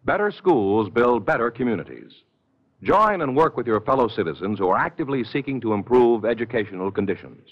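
A man's voice: mid-range voice, big pitch swings, fairly quick, slightly rough, no echo. A man announcing in an old 1950s radio announcer style, polished and emphatic. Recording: muffled vintage radio recording.

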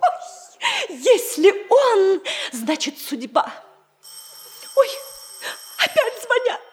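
An actress playing a flustered, excitable widowed mother who hopes to marry a third time, in a theatrical 1960s radio comedy style. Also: very high voice, drawn-out words, heavily acted. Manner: theatrical, laughing, exclamatory.

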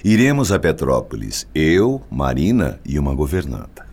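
A man's voice: extremely low pitch, sing-song, moderate pace, darkish tone, husky, exaggerated voice. An actor with a Brazilian accent playing a mature, courteous and seductive widowed businessman in a radio soap opera. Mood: smooth, assured. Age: older. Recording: hall reverb with music underneath.

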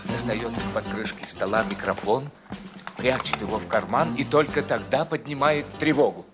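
A man's voice: medium pitch, moderate pace. A man reading scripted narration as the narrator of an audio drama. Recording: loud music behind the voice.

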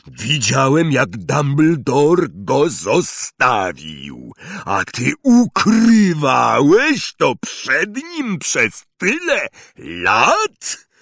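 Brief: booming gruff half-giant, a male reader puts him on, slow weighty phrasing, wildly swinging pitch. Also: a bit bright, no echo, clean studio sound, heavily acted. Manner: booming, slow, emphatic outbursts.

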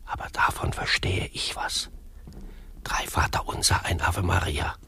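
An actor in a satirical radio play, playing a worldly, scheming Catholic priest with an unctuous, paternal, probing manner. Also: male voice, low voice, a little slow, vocal fry, pushed and bright, in a whisper, exaggerated voice. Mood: scheming, hushed.

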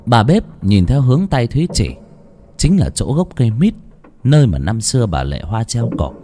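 A man's voice: mid-range voice, sing-song, normal speed, background noise. A man narrating a horror story in a dramatic reading style.

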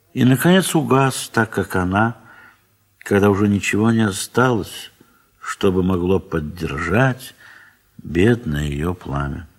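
A man narrating a literary audio play in an expressive, measured theatrical manner with deliberate pauses. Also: fairly low pitch. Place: recording studio.

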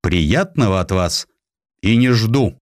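A man's voice: on the low side, lively intonation, slow, no room sound, clean studio sound. A man playing a commanding, bluntly critical older Russian emperor in a dramatized audiobook. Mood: dry, curt.

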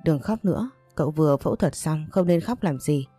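Woman voicing loyal young female friend, protective, low, mellow, audiobook, soft music behind. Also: animated, fairly quick, husky, dry recording. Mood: soothing. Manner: consoling, then outraged.

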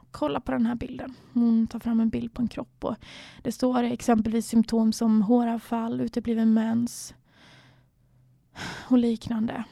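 A woman's voice: fairly high pitch, creaky, mellow, no echo, studio quality. A young woman from Sweden, candidly telling her own story in a reflective way, sometimes dropping to near a whisper. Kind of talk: personal storytelling.

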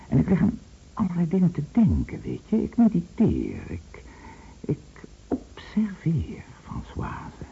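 An actor playing a chatty, teasing, fretful bedridden husband in a radio play, stammering and musing with theatrical emphasis. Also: male voice, fairly high pitch, huge pitch swings, a little slow, creaky, heavily acted. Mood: wry, teasing. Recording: muffled old radio play recording, slight noise.

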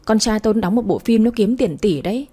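A woman's voice: medium pitch, brisk, dark tone, breathy edge, lightly acted. A woman reading as a wailing, scornful old mother-in-law. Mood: shrill accusing. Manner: wailing, sarcastic complaints. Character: scolding, dramatic elderly mother-in-law.

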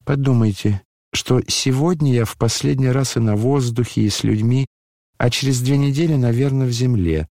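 A man plays a dying young man speaking low, hushed and hoarse, with a tired, ironic calm. The voice sits lower and softer than the reader's own, captured dry and close. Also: normal speed, no echo, lightly acted. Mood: weary ironic. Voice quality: hoarse, near whisper. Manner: quiet, weary, ironic. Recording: dry close studio sound.

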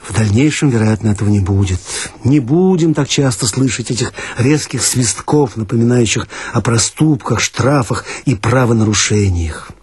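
A man's voice: medium pitch, normal speed, few pauses, slightly rough, dry recording. A man reading a humorous story aloud as the narrator, with an ironic, storytelling manner. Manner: ironic storyteller, lively rises and drops. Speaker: reader.

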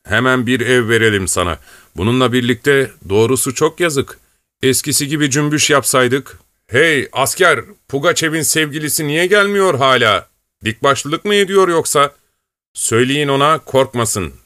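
A man voicing a boisterous, hard-drinking army major who talks loudly and teases in a jovial way. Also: medium pitch, normal speed, no room sound, studio quality, pitched above the performer's own voice, lightly acted. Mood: mocking. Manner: loud, jovial, teasing.

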